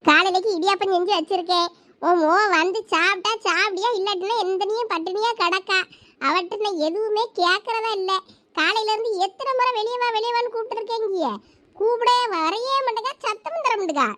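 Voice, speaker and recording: A woman playing a sharp-tongued village mother who nags and scolds. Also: extremely high pitch, brisk. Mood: scolding. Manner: scolding, nagging. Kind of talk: comedy skit acting.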